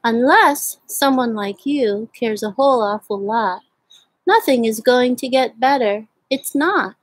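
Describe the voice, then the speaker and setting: A woman voicing a regretful old male hermit who pleads earnestly, read aloud from a picture book in measured rhyme. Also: fairly high pitch, animated, no echo.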